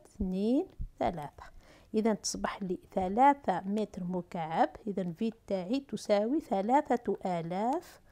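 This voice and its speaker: A woman's voice: medium pitch, mellow. A woman teacher with an Algerian Arabic accent, explaining unit conversions step by step and answering her own questions. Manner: talks through steps slowly, asks and answers herself. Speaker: math and physics teacher. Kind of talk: whiteboard lesson for middle school.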